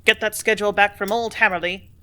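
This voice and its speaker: A woman's voice: mid-range voice, steady tone, fast talker, sharp tone, lightly acted. A woman reading the part of a brusque, blustering male factory superintendent who snaps and roars at his clerk. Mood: angry. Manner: snapping, roaring, bullying.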